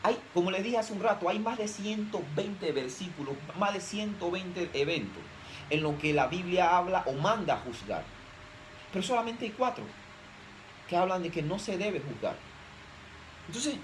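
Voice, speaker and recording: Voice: mid-range voice, lively intonation, moderate pace, slight background noise, poor audio. Emphatic preacher asking rhetorical questions. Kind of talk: sermon.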